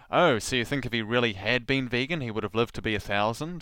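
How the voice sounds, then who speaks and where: Speaking at a very fast pace, a man uses a medium pitch with ordinary pitch variation. His New Zealand accent comes through in a bright, sharp tone. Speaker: podcast host. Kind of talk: casual podcast monologue. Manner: chatty, animated.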